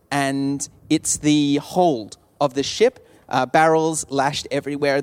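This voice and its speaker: A man's voice: medium pitch, dry recording. A man narrating an improvised tabletop game as game master.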